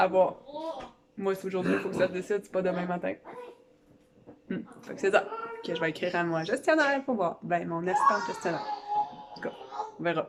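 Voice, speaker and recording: A woman with a Quebec accent, very wide pitch swings, a moderate pace, long and frequent pauses, and noticeable background noise. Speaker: mother vlogger. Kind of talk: family vlog. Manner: loud.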